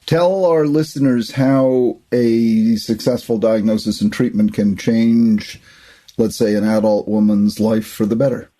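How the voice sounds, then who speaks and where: Male podcast host, middle-aged, mellow dark tone, agreeable. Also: on the low side, fairly even intonation, unhurried. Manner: affirming, frequent agreement, stammering restarts. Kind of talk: podcast interview.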